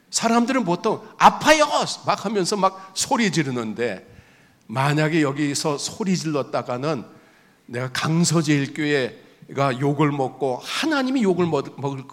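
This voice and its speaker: A male pastor delivers a sermon with a lively, swinging pitch that climbs on emphatic lines. His voice sits a little high for a man and rings out with a long church reverb. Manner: earnest preaching, rising emphatic declarations. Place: church sanctuary.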